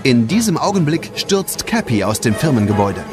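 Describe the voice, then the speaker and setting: Animated male storyteller over loud music. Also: mid-range voice, fairly quick. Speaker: narrator. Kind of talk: scripted storytelling for a children's audio drama.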